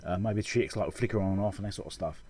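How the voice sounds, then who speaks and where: A man giving an informal technical explanation as a channel host, halting and correcting himself as he thinks aloud. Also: low voice, darkish tone, a little hiss or hum. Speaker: electronics repair channel host.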